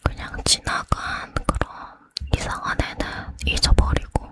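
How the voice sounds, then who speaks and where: A hushed whispered role-play of a woman acting a boy-crazy young woman getting ready to go out. She leans in to whisper very slowly and breathily, chatty and determined in an intimate ASMR delivery. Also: close to an everyday voice. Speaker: ASMR creator.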